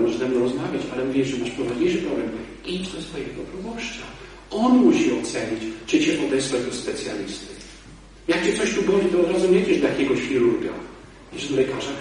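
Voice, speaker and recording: Priest speaking in an echoing hall. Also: male voice. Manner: lively, conversational, shifts between loud emphasis and low asides. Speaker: priest and exorcist. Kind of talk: conference talk to a church audience. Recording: echoey hall, mic far off.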